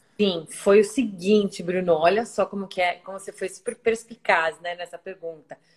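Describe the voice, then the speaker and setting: A woman speaks at a medium pitch and a moderate pace. She has a normal speaking voice. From Brazil, São Paulo city. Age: 40s. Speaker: body analysis specialist. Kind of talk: casual interview on live stream.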